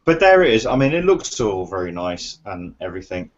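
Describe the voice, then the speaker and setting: Low-voiced host, matter-of-fact. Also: male voice, very animated, brisk. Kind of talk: casual chat reviewing vape juice. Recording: muffled lo-fi recording.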